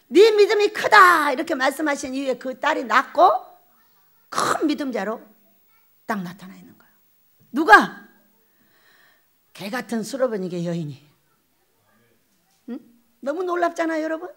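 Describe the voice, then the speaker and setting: A woman pastor preaches at a prayer retreat, her voice high and climbing through wide, lively swings. She talks in a folksy, animated way, often asking the congregation questions and acting out the voices she quotes. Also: vocal fry. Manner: acts out quoted voices with laughter. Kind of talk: sermon.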